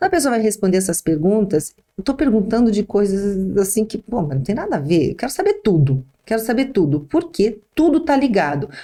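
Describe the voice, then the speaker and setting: Her pace stays moderate. This woman's pitch moves in very wide swings. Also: medium pitch for a woman. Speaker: esthetician. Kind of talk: podcast interview.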